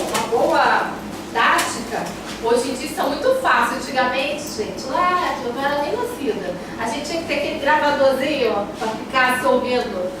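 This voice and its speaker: A woman with a Brazilian accent giving a classroom lecture as a teacher, in a didactic way, repeating key phrases for emphasis. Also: high-pitched. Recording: echoey room, distant mic, noisy.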